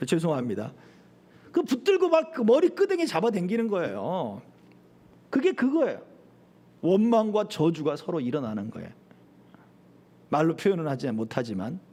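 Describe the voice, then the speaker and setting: A middle-aged man preaching a sermon as pastor, animated, acting out quoted voices as he goes. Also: high voice.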